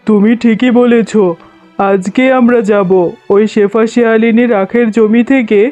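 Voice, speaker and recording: A man's voice: sits high, level tone, measured pace, a little mellow. A man voicing a resentful, scheming tiger shopkeeper and husband in a cartoon, with a grumbling, indignant manner. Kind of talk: Bengali cartoon voice acting. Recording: muffled lo-fi sound, music behind. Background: music.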